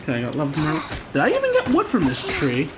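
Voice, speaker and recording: A man's voice: a little high, wildly swooping pitch, quick pace, heavy background noise. A young man giving casual, sarcastic gameplay commentary, talking to himself and swearing now and then.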